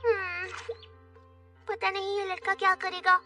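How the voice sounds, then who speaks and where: A woman's voice: very high voice, completely flat delivery, unhurried. A woman voicing a caring, scolding childlike robot cat in a cartoon dub, cute and exclaiming. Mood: cautioning. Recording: distant sound under loud music. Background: loud jingly children's cartoon music.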